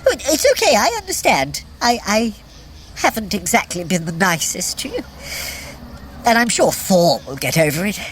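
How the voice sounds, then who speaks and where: A woman's voice: mid-range voice, big pitch swings, moderate pace, a little hiss or hum, close to an everyday voice. A woman playing a sly, teasing trickster god in an audio drama, captive but cocky, with a wry, theatrical, coaxing manner. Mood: needling, rueful. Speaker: voice actor in a fitness audio drama. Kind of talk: audio drama acting, guiding a runner.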